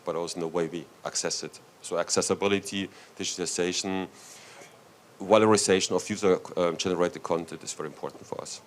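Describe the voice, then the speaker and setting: A man giving an earnest conference talk, halting, with restarts. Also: low-pitched, a little hiss or hum. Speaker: panel speaker.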